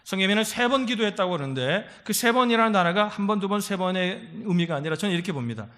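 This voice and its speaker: A man pastor preaching a sermon in a church, animated, acting out quoted voices and calling out hallelujah. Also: high voice, fast. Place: church sanctuary.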